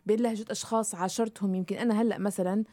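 A woman from Syria with a Syrian Levantine Arabic accent, hosting an interview podcast in quick, chatty conversation. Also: mid-range voice, steady tone, warm tone, dry recording. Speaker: podcast host. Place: radio studio.

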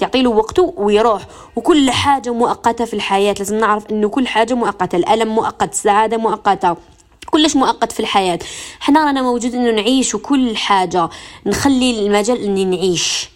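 A woman's voice: medium pitch, rapid-fire. A young woman with an Algerian accent hosting a radio self-help show, speaking earnestly, repeating phrases for emphasis and slipping French and English words into her talk. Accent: Algerian Arabic.

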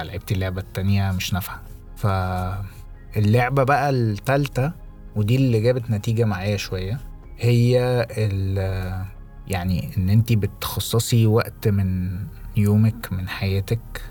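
A young Egyptian man co-hosting a podcast, talking reflectively with halting restarts and English phrases mixed in. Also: fairly low pitch, steady tone, a little mellow, soft background music. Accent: Egyptian Arabic. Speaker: podcast co-host. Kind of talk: casual podcast conversation.

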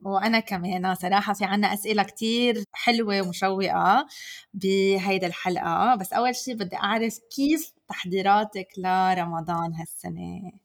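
A woman's voice: mid-range voice, a little fast. A woman with a Lebanese Arabic accent hosting an interview, mixing some English words into her Arabic. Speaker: interview host. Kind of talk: podcast interviewing with scripted intro and casual chat.

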